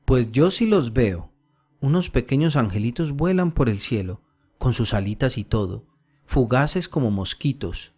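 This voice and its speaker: A man's voice: mid-range voice, animated, measured pace, a little mellow, soft background music, voice pushed up. A man voicing a pious little peasant girl who earnestly tells another child about God, angels and the end of the world. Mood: awed. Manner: storytelling, mimics her mother tenderly.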